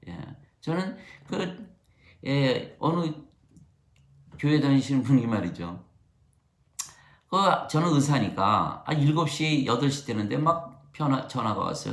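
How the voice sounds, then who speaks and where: Telling stories from the pulpit, this middle-aged preacher performs the voices of each character he quotes. His mid-range voice has a fairly bright tone, and the sound is roomy.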